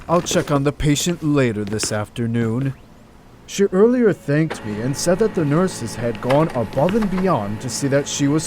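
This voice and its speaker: A man's voice: medium pitch, darkish tone, lightly acted. A man playing a busy, worn-down hospital doctor in an amateur audio drama, speaking politely and a little formally. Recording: noisy home recording.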